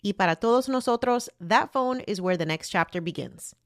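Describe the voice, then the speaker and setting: A woman's voice: medium pitch, expressive, normal speed, no echo. Woman reading an ad, dry sound. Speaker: podcast host reading an ad. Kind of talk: scripted ad read mixing English and Spanish.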